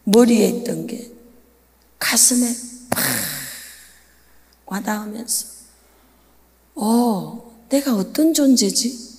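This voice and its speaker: A woman pastor preaching an early-morning sermon, telling a story with acted-out prayers and moving from soft asides to shouts. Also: fairly high pitch, lively intonation, takes it slowly, pauses often, slight background noise. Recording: long church-hall reverb.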